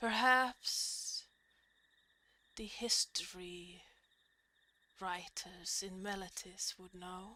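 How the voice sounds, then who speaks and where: A woman's gravelly, put-on character voice at medium pitch, very slow, with long, frequent pauses. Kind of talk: archaic formal speech. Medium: actual play. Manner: formal, solemn, measured.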